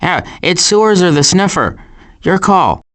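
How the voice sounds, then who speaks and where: A man voicing a wry, wisecracking woodland animal in an animated video game. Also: high voice, unhurried, exaggerated voice.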